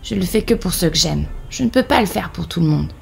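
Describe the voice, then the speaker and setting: A woman voicing a calm, stern but forgiving magic fish in a children's fairy tale cartoon, measured and admonishing. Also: fairly low pitch, vocal fry, faint music behind. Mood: firm.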